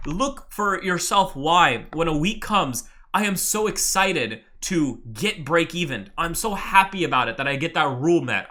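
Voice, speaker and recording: Mentor type, excitable and swears freely; bright, forceful tone with big pitch swings. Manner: excitable, bursts into loud exclamations, swears often. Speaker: trading mentor. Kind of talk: live webinar teaching.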